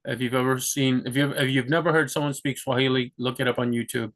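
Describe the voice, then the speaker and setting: Young man, casual vlog monologue, rambling with lots of restarts, mid pitch. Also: fairly even intonation, quick pace, a bit bright. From United States. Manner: rambling, many restarts and "like" fillers. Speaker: vlogger. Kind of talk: casual talk to camera.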